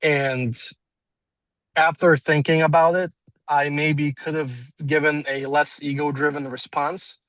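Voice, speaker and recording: A man's voice: fairly high pitch, flat delivery, takes it slowly, a bit bright, no room sound, rough recording. Young man, non-native English accent, dry sound. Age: 20s. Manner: rambling, self-deprecating, with laughs and fillers. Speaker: salesman and business owner. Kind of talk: casual conversation, storytelling. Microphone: video call.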